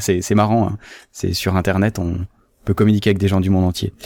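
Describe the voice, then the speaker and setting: A man with a fairly low pitch speaks very fast in fairly even intonation. The recording is very clean, with a silent background. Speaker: podcast host. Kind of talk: casual interview.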